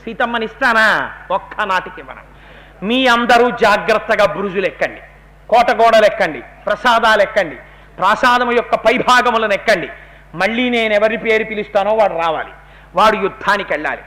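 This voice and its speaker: A man's voice: sits high, lively intonation, brisk, pushed and bright. A man giving a devotional epic discourse, telling the story and acting out the characters' words with rising intensity. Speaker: religious discourse speaker.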